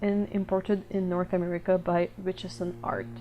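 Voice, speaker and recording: With music in the background, a woman of medium pitch mumbles at a fairly quick pace in a non-native accent. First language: not English. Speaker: art supply reviewer. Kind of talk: product review voice-over. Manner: mumbling.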